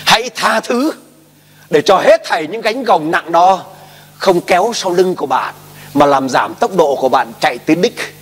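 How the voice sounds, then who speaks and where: A male pastor delivers an emphatic sermon in a high, very lively voice, firing off questions and calling for his listeners to repeat after him. His voice rings through a long hall reverb. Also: moderate pace, slightly rough.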